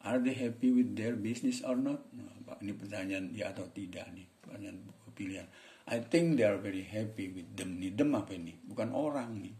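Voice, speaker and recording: A man teaching English in a casual lesson. He reads example sentences slowly, explains them with chatty fillers, and acts out short dialogue parts in a raised voice. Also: lowish voice, dark tone.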